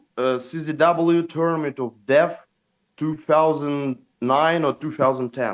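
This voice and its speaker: This man speaks at a very slow pace, his fairly high voice showing ordinary pitch variation. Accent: non-native. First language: Russian. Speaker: professional wrestler. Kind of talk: interview. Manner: halting, many fillers.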